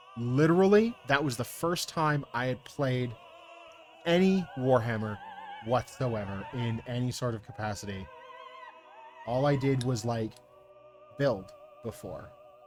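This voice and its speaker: With music in the background, a man of medium pitch speaks at a fairly slow pace with lively intonation and long, frequent pauses. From Canada. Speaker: miniature painting streamer. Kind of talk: casual livestream chat while building models. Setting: livestream. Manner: gets quieter when distracted.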